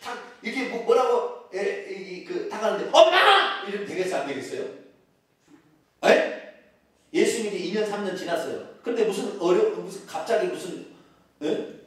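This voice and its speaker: A male pastor preaching an animated sermon, calling out loudly and leading the congregation to repeat after him. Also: high-pitched, moderate pace. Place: church sanctuary. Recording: echoey church hall from far off.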